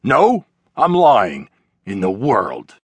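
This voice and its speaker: An actor playing a drunken, loudmouthed former pickpocket in a full-cast audiobook. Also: male voice, lowish voice, wildly swooping pitch, extremely slow, breathy edge, no echo, exaggerated voice. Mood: blustering. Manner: boisterous, blustering.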